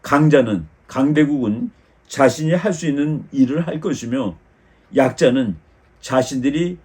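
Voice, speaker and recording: An older man giving a measured lecture on international politics as the channel's host, explaining step by step with frequent small fillers and restarts. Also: mid-range voice, mellow, breathy edge.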